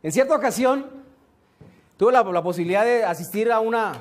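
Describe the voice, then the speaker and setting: A man giving a motivational seminar talk, slow and emphatic, often asking rhetorical questions. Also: sits high, lively intonation. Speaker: motivational speaker.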